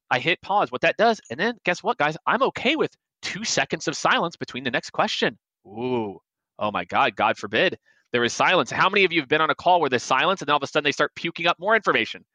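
A man's voice: on the high side, pushed and bright, no room sound, low-quality recording. A man in his forties, a sales expert guest on a podcast, giving emphatic advice and acting out quoted lines. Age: 40s.

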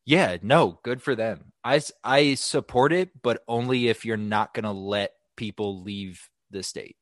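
Young man, podcast co-host, blunt, profane, animated, dry sound. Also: lowish voice, a little slow, no room sound. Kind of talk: casual podcast chat.

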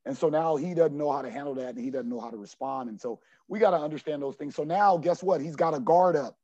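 Earnest forties man, dark muffled voice. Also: on the high side, quick pace, no room sound. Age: 40s. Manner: earnest, repeats words as he searches for them. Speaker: junior college basketball coach. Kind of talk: podcast interview answer.

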